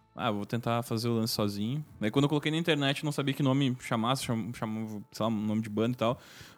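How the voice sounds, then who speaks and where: Music can be heard in the background. Over it, a man speaks very fast. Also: medium pitch for a man, ordinary pitch variation, hardly any pauses. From Rio Grande do Sul interior, Brazil. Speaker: musician. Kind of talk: casual chat.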